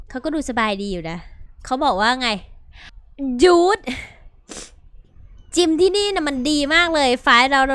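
Woman, gaming host, casual let's-play chatter, playful exclamations, smooth clear voice, dry close sound. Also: a little high, fairly bright tone, dry recording. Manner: chatty and playful, talks to viewers; quick exclamations and gasps.

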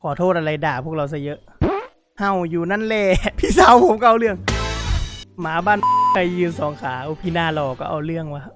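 A man commenting on a role-play game, reading chat messages aloud, excitable and often laughing. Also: on the high side, a little fast, faint music behind. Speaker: gaming YouTuber.

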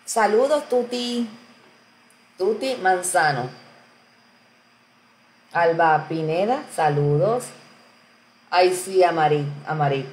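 A woman's voice: on the low side, animated, slow pace, long pauses, a little mellow. Chatty woman streaming live, roomy echo. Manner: chatty, greets viewers by name and answers comments. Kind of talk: casual live-stream chat. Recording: roomy echo with faint background noise.

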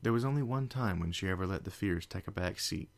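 A man reading a fan fiction story aloud as narrator, in a steady, measured storytelling voice. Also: deep voice, creaky.

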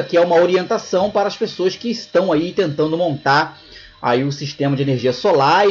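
A man's voice: a little high, dull audio, slight background noise. Brazilian man lecturing casually over webcam. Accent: Brazilian Portuguese. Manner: casual, repeats filler checks like "tá bom?" and "né". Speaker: presenter of an online lecture. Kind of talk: slide-based lecture.

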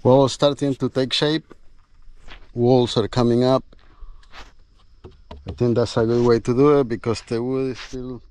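A man's voice: medium pitch, little pitch movement, a little slow, pauses often, darkish tone. A man talking casually to viewers while he works outdoors, thinking aloud in short, trailing phrases. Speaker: outdoor bushcraft video host. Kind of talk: casual talk while working. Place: outdoors at a building site.

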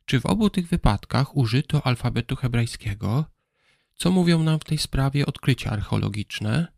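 A man presenting a Bible history program, giving calm, scripted explanations and spelling out letters slowly. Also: mid-range voice, creaky, dry recording, clean studio sound. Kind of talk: scripted educational narration.

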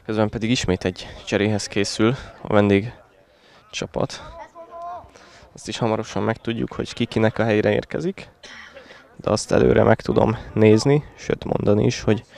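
A man commentates a live football match from beside the pitch. His voice sits a little low and has clear vocal fry. He talks conversationally, dropping in short calls as play moves. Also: fairly even intonation, long pauses, a little mellow. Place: outdoors at a small football ground.

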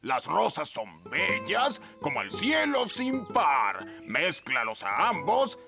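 A man voicing a jolly old elf pirate with a gravelly voice and Latin American Spanish accent, hearty and theatrical, in a children's cartoon. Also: on the high side, wildly swooping pitch, slow, heavily acted. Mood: theatrical, mysterious. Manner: hearty, theatrical, calling others sweet pet names. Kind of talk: animated children's cartoon dialogue. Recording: loud music under the voice.

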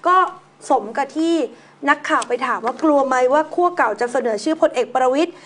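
A woman hosting a news talk show, reading items and chatting about them in a relaxed, conversational way. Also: high voice, fairly quick, slight background noise.

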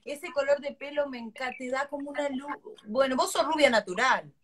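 Animated Argentine woman, high voice. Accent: Argentine Spanish. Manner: animated, teasing, quick to laugh. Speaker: host. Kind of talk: casual live-stream chat. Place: indoor room at home. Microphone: phone front camera.

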